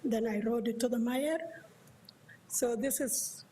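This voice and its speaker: A woman in her thirties from South Sudan reads her letter aloud at a meeting, her high voice stumbling through restarts as she goes. A faint hiss runs under the recording. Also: measured pace, dark tone. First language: a South Sudanese language. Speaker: parent speaking at public comment. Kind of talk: reading a prepared letter aloud.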